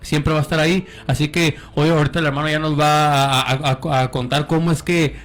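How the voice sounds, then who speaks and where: A man's voice: fairly high pitch, little pitch movement, brisk, fairly bright tone. A man hosting a Christian radio program, introducing a guest's testimony in a preachy tone with many hesitant restarts. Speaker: radio show host.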